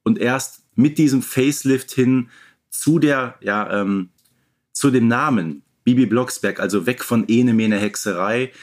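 A man co-hosts a fan podcast, explaining things in a casual, conversational way. His voice has a medium pitch for a man. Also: measured pace. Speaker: podcast host.

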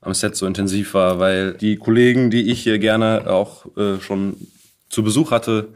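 Low-voiced German man hosting casually. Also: fairly even intonation, normal speed, darkish tone. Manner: informal, colloquial. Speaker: podcast host. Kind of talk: casual chat.

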